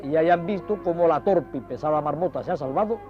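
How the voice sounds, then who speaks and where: A man's voice: a little high, brisk. A man presents a nature documentary, explaining to viewers in ornate, dramatic storytelling phrases. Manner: didactic, addressing viewers directly. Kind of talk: nature documentary commentary, explaining over film footage. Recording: dull vintage TV audio, music behind. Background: music.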